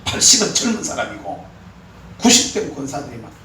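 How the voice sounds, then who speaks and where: A man preaching a sermon as pastor, exhorting with animated, emphatic peaks. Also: mid-range voice, brisk. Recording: echoey hall, mic far off, faint room noise.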